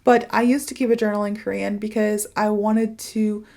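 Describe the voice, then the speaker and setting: A woman's voice: medium pitch, flat delivery, normal speed, creaky, darkish tone. A woman hosting a casual motivational podcast like a teacher, chatty and informal, with emphatic phrasing and giggly asides. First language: English. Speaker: podcast host and English teacher.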